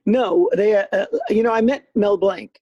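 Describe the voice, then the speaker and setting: A middle-aged man with a raspy voice, a voice actor chatting as a podcast guest in an animated, rambling way. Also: high-pitched, moderate pace, no room sound, highs cut off. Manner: animated, rambling with many fillers. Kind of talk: casual podcast interview.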